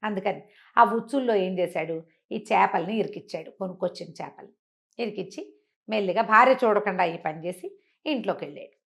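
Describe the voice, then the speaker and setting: A woman's voice: mid-range voice, brisk, creaky, fairly bright tone. A woman telling a folk story conversationally, acting out the dialogue and asking rhetorical questions as she explains.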